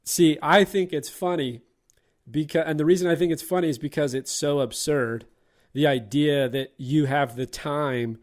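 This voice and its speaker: A man's voice: fairly high pitch, steady tone, moderate pace. A man hosting a casual movie podcast, retelling scenes and chuckling along. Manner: laughs while retelling scenes. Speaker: podcast host.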